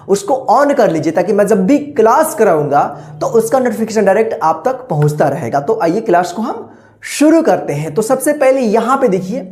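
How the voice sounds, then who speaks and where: A woman's voice: on the high side, darkish tone. A woman teaching an online reading lesson, explaining patiently, repeating herself, drawing out and spelling out words, and often checking that the class follows.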